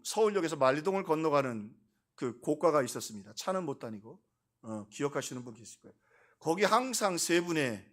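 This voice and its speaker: A middle-aged man preaching a sermon as senior pastor, telling a story and acting out its dialogue, swinging between hushed lines and emphatic ones. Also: a little high. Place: church sanctuary.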